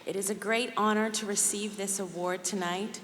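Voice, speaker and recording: A woman reading an acceptance speech on someone else's behalf in a measured, formal way. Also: medium pitch, steady tone, fairly bright tone, a little hiss or hum. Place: banquet hall. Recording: echoey hall with long reverb.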